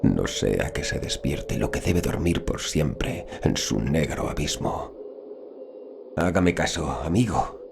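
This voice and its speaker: A man acting out a big, low-voiced policeman in a horror audiobook, grave and superstitious. He warns ominously, as if guarding an old secret, over clearly audible ambient noise. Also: animated, takes it slowly, heavily acted. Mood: foreboding warning.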